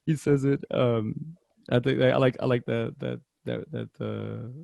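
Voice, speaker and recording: In a casual movie podcast chat, a co-host of Mexican heritage rambles, laughs, and restarts sentences often. His gravelly, darkish mid-range voice is a little slow with fairly even intonation. The recording is dry.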